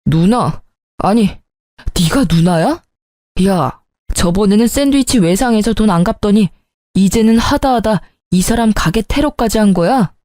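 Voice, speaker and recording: A woman's voice: mid-range voice, lively intonation, unhurried, warm tone, dry recording, clean studio sound, close to an everyday voice. Woman voicing an angry scolding husband. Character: angry younger brother, husband defending his wife.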